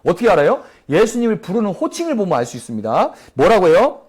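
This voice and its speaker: A man preaches a Sunday sermon in a high, expressive voice that rises and falls widely. He tells the story with animation and keeps asking his listeners questions. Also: fast, slightly rough. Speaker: pastor.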